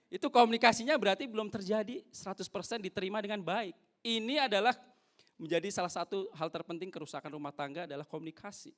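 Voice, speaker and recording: A young man preaches to his church, his voice sitting noticeably high. He is lively and animated, slipping into little back-and-forth scenes between a husband and wife. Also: quick pace. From North Sulawesi, Indonesia. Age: young adult. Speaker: pastor. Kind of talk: sermon.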